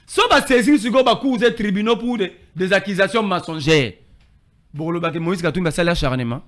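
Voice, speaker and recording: A man's voice: high-pitched, brisk, fairly bright tone. A man with a Congolese French accent, arguing politics emphatically in a street debate. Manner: emphatic, code-switching, argumentative. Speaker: political commentator.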